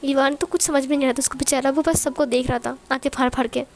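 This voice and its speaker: High-voiced woman retelling a story. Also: fairly even intonation, fast talker, darkish tone. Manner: chatty, explanatory. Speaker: story narrator.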